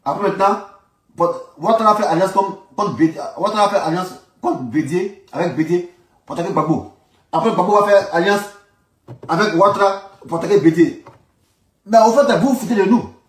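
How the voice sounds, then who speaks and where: A man's voice: high voice, fairly quick. A man with an Ivorian accent delivering an informal political rant in an emphatic, repetitive, indignant manner. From Ivory Coast. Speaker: online political commentator. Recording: roomy echo, distant microphone.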